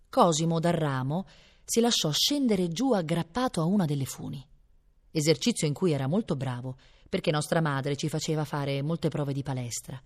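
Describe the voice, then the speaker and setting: A woman reads a novel aloud in a low, expressive voice and shifts into each character. A long reverb hangs around her. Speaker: audiobook reader. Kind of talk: literary reading aloud.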